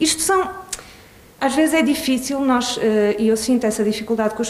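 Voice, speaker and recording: Amid noticeable background noise, a woman speaks in a high pitch. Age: 30s. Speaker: archaeologist. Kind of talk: casual chat.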